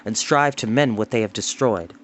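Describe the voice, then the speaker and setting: A man's voice: lowish voice, moderate pace, a little hiss or hum, natural voice. A man reading a storybook aloud and voicing an earnest young pig keeper who pleads his case respectfully.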